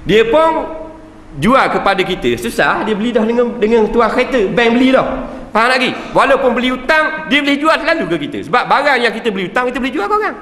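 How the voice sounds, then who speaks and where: A man's voice: very high voice, fast talker. A man with a Malaysian Malay accent giving a religious lecture, joking and often checking with his listeners. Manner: lively, jokey, checks the audience with frequent 'ha', 'nah', 'nampak?'. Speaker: religious teacher. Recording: echoey hall with long reverb, faint ambience.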